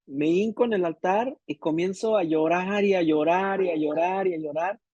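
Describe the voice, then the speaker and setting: A man recounts his conversion to a pastor in a somewhat high, mellow voice. He speaks haltingly, restarting phrases as the emotion of the memory comes back. The audio is dry and dull, like an online call. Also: no echo. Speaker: church member giving testimony. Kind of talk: personal testimony in conversation.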